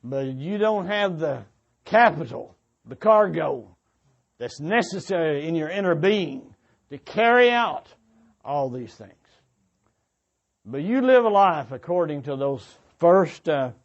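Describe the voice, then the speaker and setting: A man preaching an informal, earnest sermon of exhortation, speaking haltingly and often restating his phrases. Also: a little high, very animated, creaky, muffled recording. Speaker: preacher addressing young adults at a church gathering.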